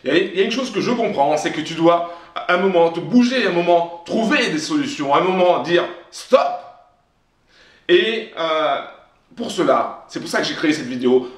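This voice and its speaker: A man's voice: a little high, animated, moderate pace. Emphatic French-speaking man, echoey room. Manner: emphatic, repetitive, frequent restarts. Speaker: self-help vlogger. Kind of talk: direct-to-camera motivational talk.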